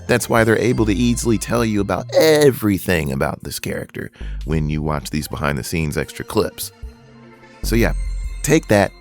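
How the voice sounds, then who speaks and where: A man's voice: low voice, expressive, normal speed, soft background music. A man coaching voice acting in a casual, earnest tutorial. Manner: casual, conversational, earnest advice.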